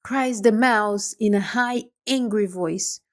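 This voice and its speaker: A woman reading a children's story aloud for English learners, in clear, measured storytelling. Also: mid-range voice. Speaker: story reader.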